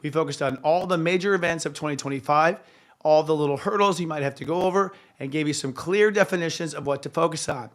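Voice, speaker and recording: Hosting a live astrology show, this man talks fast in a hoarse, slightly high voice. His delivery is chatty and full of fillers and self-corrections.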